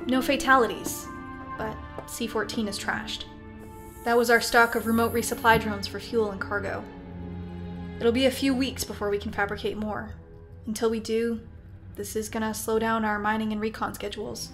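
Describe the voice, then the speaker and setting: A woman playing a level-headed, fair-minded military captain in a science fiction audio drama, measured and commanding. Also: on the high side, little pitch movement, over music, close to an everyday voice. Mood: businesslike. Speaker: captain and defense adjutant.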